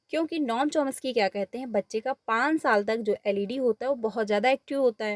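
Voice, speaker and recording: A woman teacher with a voice on the high side walks through exam questions step by step, mixing English words into her Hindi and repeating the answers. The studio sound is clean with no room sound.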